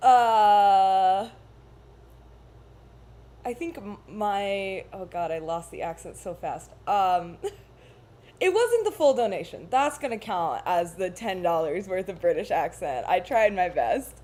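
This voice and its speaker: A woman's voice: mid-range voice, lively intonation, slow, mellow. A young woman chatting casually on a video call, rambling and thoughtful, often laughing at herself. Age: young adult. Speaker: cast member of a charity reading livestream. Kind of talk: casual chat.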